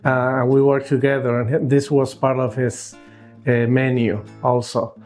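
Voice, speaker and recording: A man in his sixties from Cuba with a Cuban accent and Spanish as his first language, answering interview questions casually and haltingly as a food truck owner. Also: medium pitch, flat delivery, a little mellow, faint music behind. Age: 60s. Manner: halting, searching for words.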